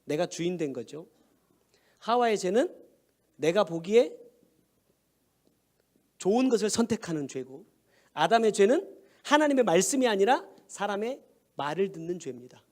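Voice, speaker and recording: A man's voice: very high voice, darkish tone. A male pastor preaching a sermon in a conversational way, asking rhetorical questions and answering them himself.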